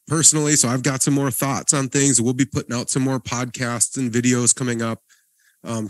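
Earnest podcast guy, mid pitch, dry close mic, keeps restarting sentences. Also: no echo. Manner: earnest, encouraging, frequent restarts. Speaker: podcast co-host, guest pastor. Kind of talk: casual podcast conversation.

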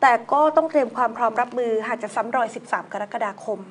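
High-voiced woman chatting through news. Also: fast, a little hiss or hum. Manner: reads news items then banters in a relaxed, conversational way. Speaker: news talk show host.

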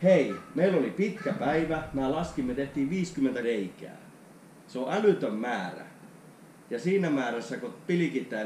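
A man's voice: medium pitch, a little mellow, slight background noise, rough recording. A man in his thirties hosting a fishing vlog, talking in an enthusiastic, chatty way on a frozen lake and later at a kitchen table. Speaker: fishing channel host. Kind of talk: casual on-camera chat. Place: outdoors on a frozen lake, then an indoor kitchen.

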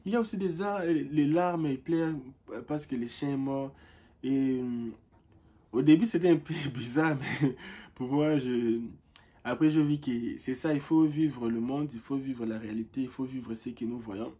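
Husky-voiced young man vlogging. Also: mid-range voice, moderate pace. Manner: animated storytelling, repeats words as he searches for them. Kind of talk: casual vlog talk to camera.

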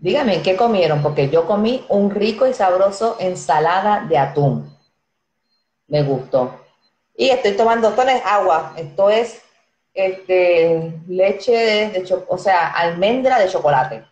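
A woman's voice: mid-range voice, animated, measured pace, a little mellow, lo-fi sound. A Dominican woman in her thirties with a Dominican Spanish accent, hosting a casual live stream, reading viewer comments in a friendly, chatty way. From Dominican Republic. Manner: chatty, friendly, reads names aloud and laughs easily. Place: small room indoors. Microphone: earphone headset mic. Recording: echoey room.

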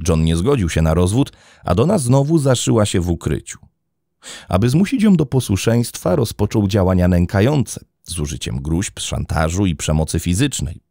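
Male true-crime narrator: low gravelly voice, dark tone, dramatic expressive read. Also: no room sound, studio quality.

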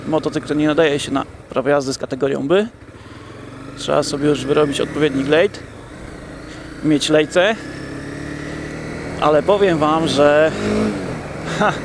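A young man talking casually to viewers while riding a motorcycle through city traffic, in a relaxed, chatty way. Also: on the high side. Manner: relaxed, chatty, addresses viewers directly, drawn-out fillers. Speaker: motovlogger. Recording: helmet mic with wind and traffic noise.

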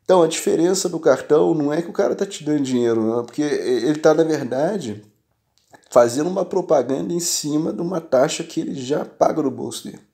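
This fairly high-pitched man speaks quite quickly, with a Brazilian Portuguese accent. As a shopkeeper who also hosts a tech channel, he addresses his audience casually and with emphasis, animatedly asking "entendeu?" again and again to make sure they follow.

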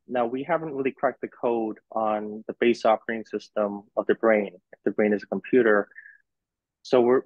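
A man in his twenties from Korea and New Jersey, an interview guest explaining things in a measured, matter-of-fact way over a video call. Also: lowish voice, dry recording. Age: 20s. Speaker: interview guest, graduate student. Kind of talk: casual explanatory interview talk. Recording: dull, lo-fi video call audio.

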